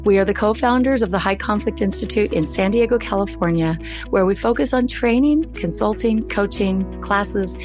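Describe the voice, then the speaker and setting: A middle-aged woman hosting a podcast with a hoarse voice that is still recovering, chatting in an upbeat way. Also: medium pitch, normal speed, over music. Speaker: podcast host. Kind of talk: podcast intro, casual chat.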